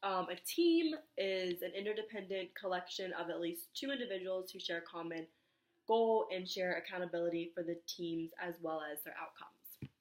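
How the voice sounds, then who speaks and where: A young woman under the weather, her stuffed-up voice sitting somewhat low and a little raspy. She walks through her presentation slide by slide, reading the points aloud and filling gaps with ums and small restarts. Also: moderate pace. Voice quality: slightly raspy. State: nasal congestion, under the weather. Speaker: student presenter. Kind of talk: recorded class slide presentation.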